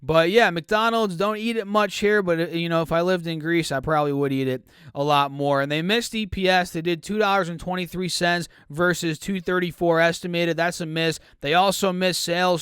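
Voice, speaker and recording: Male host, higher pitch, clean crisp voice on a dry close mic, easygoing stock-talk chatter. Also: fairly even intonation, fairly bright tone, no room sound. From United States. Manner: chatty, reads earnings numbers with quick asides. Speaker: stock market YouTuber. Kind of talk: casual market commentary.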